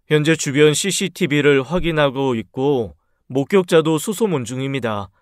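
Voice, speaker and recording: A man's voice: fairly high pitch, expressive, moderate pace, no room sound, studio quality, close to an everyday voice. A man voicing a formal police officer who reassures a family.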